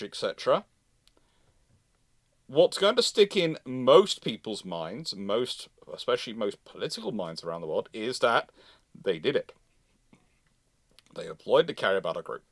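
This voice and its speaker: British male host, live Q&A explainer, halting then emphatic, mid pitch, dry sound. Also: dry recording. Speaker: host answering audience questions. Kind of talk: live Q&A, explanatory commentary on naval matters.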